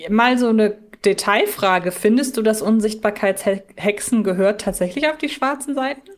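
A woman's voice: medium pitch, normal speed. A woman co-hosting a podcast, chatting analytically in a questioning, reflective way. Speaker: podcast co-host. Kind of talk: analytical casual podcast chat.

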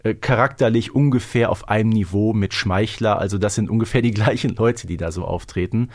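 A man's voice: fairly low pitch, fairly quick. A man co-hosting a podcast, chatting casually and knowledgeably as a fan. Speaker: podcast co-host.

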